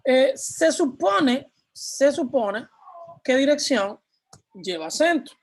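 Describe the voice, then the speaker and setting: A man's voice: very high-pitched, sing-song, takes it slowly, creaky. A man teaching a programming class, explaining step by step and answering his own questions as he goes. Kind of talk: live class explaining code on screen.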